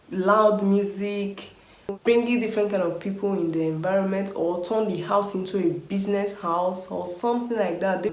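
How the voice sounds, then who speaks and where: A woman's voice: mid-range voice, reverberant, rough recording. A Nigerian woman vlogger with a Nigerian accent, ranting in a scolding way and firing rhetorical questions at her viewers. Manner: exasperated scolding, rhetorical questions, lively pidgin phrases. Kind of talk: casual vlog rant.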